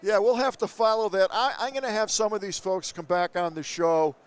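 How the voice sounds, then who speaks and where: A man's voice: sits high, fairly quick, smooth. An older man hosting a podcast at a trade show, chatty and enthusiastic in a casual interview. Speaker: podcast host. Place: busy trade show floor.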